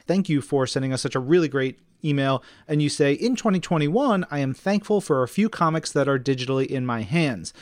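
A man with a fairly high voice, recorded very dry. He talks like a podcast co-host, casual and enthusiastic, moving between chat and reading listener messages aloud. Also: lively intonation, a little fast, hardly any pauses, no echo.

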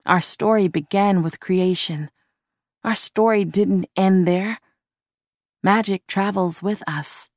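A woman narrating literary audio fiction in a measured, solemn manner. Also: mid-range voice, no room sound, clean studio sound. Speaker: story narrator.

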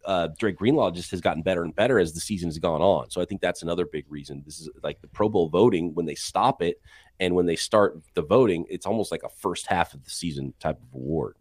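A man co-hosting a sports podcast, chatting casually and sharing strong opinions with quick asides. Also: low-pitched, no echo. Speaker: podcast co-host.

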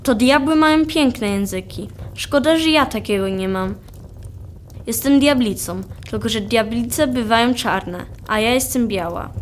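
A feisty Silesian girl acted by a young female performer in a radio play, with a high voice. She speaks bluntly and scolds with a sharp tongue, over faint background noise. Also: measured pace, close to an everyday voice. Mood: curious. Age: child or teenager.

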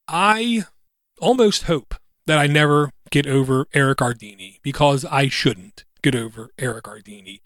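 A man in his thirties hosts a solo podcast, earnest and reflective, halting with fillers, and a slight speech impediment brings an occasional stutter. His voice is on the high side and fairly bright, with no room sound.

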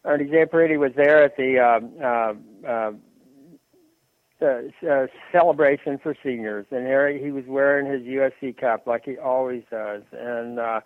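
A man talking sports on a radio show, halting and full of fillers and restarts. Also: mid-range voice, steady tone, no echo. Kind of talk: rambling sports talk on phone. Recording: tinny phone line.

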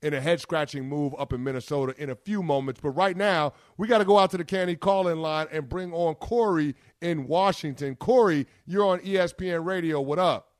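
A man's voice: a little high, a little fast, hardly any pauses, no echo, studio quality. Brash man in his thirties, sports radio. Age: 30s. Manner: brash, animated, playful trash talk. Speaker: radio sports show co-host.

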